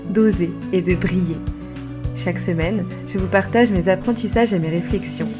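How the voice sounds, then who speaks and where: Upbeat woman podcast host. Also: medium pitch. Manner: enthusiastic, upbeat. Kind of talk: podcast intro and interview.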